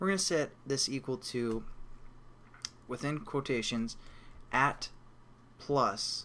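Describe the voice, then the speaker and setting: A man at a fairly slow pace, medium-pitched, bright and sharp in tone, with lively intonation. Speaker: programming tutorial instructor. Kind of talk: screen-recorded coding tutorial. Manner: casual, conversational.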